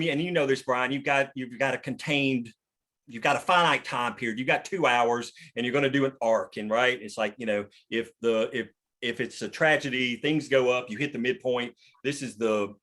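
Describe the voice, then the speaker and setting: A man's voice: mid-range voice, a bit bright. Man, mid-range voice, casual group discussion, informal explainer, discussion leader. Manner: informal, explanatory, occasionally profane. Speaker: writer leading a script table read.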